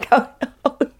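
Woman, personal testimony, exclamatory, laughs often. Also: a little mellow. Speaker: speaker sharing a personal story. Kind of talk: casual spoken testimony.

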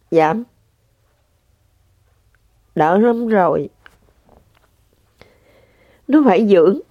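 An older woman giving an emotional, halting spiritual testimony to listeners, often repeating herself. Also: fairly high pitch, dark tone, no room sound. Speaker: religious practitioner sharing testimony. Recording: dull lo-fi sound.

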